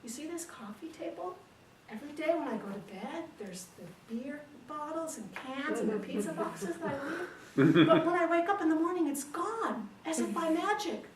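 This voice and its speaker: In an echoey room, a woman puts on a lazy young husband, pitched up high and full of wide-eyed confidence. He is a clueless, over-excited slacker from a comic fairy tale. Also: racing, few pauses. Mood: awed, excited. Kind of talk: comic storytelling. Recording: echoey room, distant mic, some noise.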